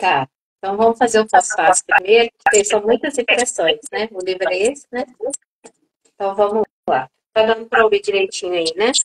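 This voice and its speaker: Against a quiet background, a woman speaks at a fairly quick pace with fairly high pitch and lively intonation, leaving long, frequent pauses. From Brazil, southern Minas Gerais. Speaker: book reviewer, social media creator. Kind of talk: casual chat. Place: home room. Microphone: earbuds.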